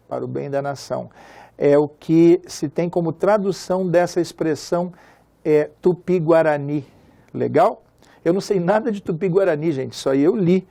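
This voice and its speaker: Brazilian man, literature teacher, chatty, slightly high mellow voice. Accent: Brazilian Portuguese. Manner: chatty, asks class for agreement; slows to recite poem lines. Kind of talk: literature lesson.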